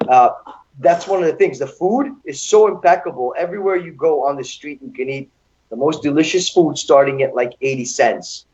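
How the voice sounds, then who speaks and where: A man's voice: fairly high pitch, normal speed, darkish tone, muffled recording. A man born in Hungary and raised in Seattle, a talk show guest who speaks chattily and with enthusiasm.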